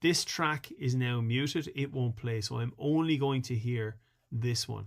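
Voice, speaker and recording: The speaker talks at a fairly slow pace in an Irish accent. The recording is very clean with a silent background. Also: man, medium pitch for a man, ordinary pitch variation. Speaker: lecturer. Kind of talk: tutorial.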